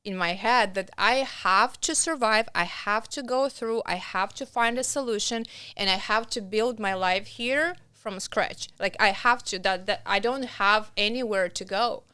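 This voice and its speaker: A woman in her thirties with a Russian accent, talking earnestly and haltingly as a podcast guest. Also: mid-range voice, pushed and bright, smooth, no echo. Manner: earnest, halting, with restarts and non-native grammar. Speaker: podcast guest, nonprofit founder. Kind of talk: conversational interview.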